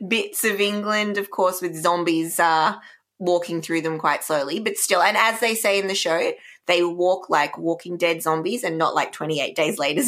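A woman's voice: fairly low pitch, a bit bright. A woman in casual review chat as a radio co-host, thinking aloud informally. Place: radio studio.

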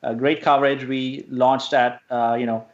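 A man's voice: mid-range voice, flat delivery, moderate pace, lo-fi sound. A man from Sri Lanka, a guest on a radio interview, speaking hesitantly with many fillers and restarts.

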